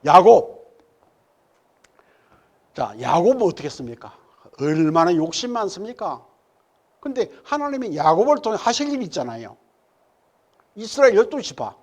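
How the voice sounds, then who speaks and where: A man's voice: sing-song, brisk. A male pastor, preaching a sermon and firing rhetorical questions at the congregation. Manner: swings from loud emphatic peaks to low murmured asides. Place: church sanctuary.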